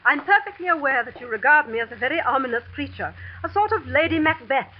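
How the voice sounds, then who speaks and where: A woman's voice: high-pitched, animated, quick pace. An actress playing a cold, scheming woman who runs a school and claims clairvoyant powers, in 1940s radio acting style. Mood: sardonic. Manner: crisp, icy and commanding. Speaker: dean. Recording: dull 1940s radio broadcast.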